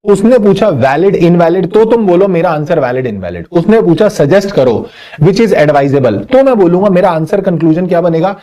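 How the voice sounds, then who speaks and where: A young man teaching exam law in a lively, conversational manner, reading question text slowly and adding teasing asides. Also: a little high. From Punjabi family. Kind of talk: exam-prep lecture, mixing Hindi and English.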